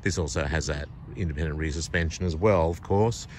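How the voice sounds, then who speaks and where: A man's voice: rumbling low, fairly quick, a little mellow, a little hiss or hum. A man, hosting a casual car vlog and rambling with plenty of fillers, recorded on a phone in a car. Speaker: vlog host. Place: inside a parked car.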